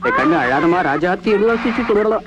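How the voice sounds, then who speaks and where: A man's voice: high voice, animated, fairly quick, muffled recording, over loud music. An actor playing a fussy young bachelor who coaxes a baby and bosses his friend, in a film. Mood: coaxing. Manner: coaxing, bossy with friend.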